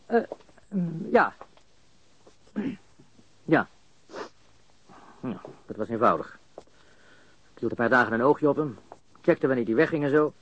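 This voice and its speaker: A man's voice: medium pitch, expressive, a little slow, pauses often, a bit bright, muffled recording. An actor playing a cocky, jittery criminal suspect in a radio drama, stammering, repeating himself and swearing as he confesses. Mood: confiding.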